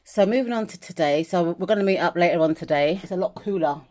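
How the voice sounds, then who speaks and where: A woman from England with a low voice talks through her collection in a relaxed vlog. She rambles a little, doubling back and restarting as she goes. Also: fast talker. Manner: chatty, rambling with restarts and fillers. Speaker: vlogger. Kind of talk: casual chat, showing dolls and journal.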